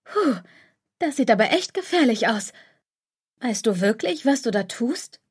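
A woman's voice: on the high side, very animated, measured pace, breathy edge, heavily acted. A woman voicing a clingy, anxious inner voice that nags and stirs up fear in an audiobook. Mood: worried. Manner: insistent, fearmongering, wheedling.

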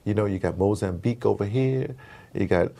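Speaking a bit quickly in a lowish register with some vocal fry, this male interview guest delivers fiery, casual political commentary. He tells stories emphatically and animatedly, acting out dialogue, using slang and firing off rhetorical questions.

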